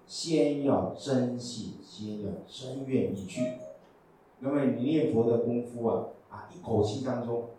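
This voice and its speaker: A man's voice: medium pitch, warm tone, a little hiss or hum. A man, a Buddhist monk, giving a patient dharma talk and often asking his listeners rhetorical questions. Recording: echoey hall, mic from a distance, faint ambience.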